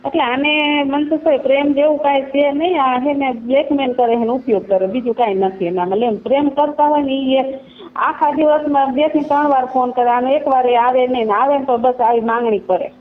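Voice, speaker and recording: A woman's voice: high-pitched, fairly even intonation, brisk. Kathiawadi woman on a tinny phone line. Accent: Kathiawadi Gujarati. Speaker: caller telling their own story. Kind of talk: informal personal account on a phone call. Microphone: telephone line. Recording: tinny narrowband phone call recording.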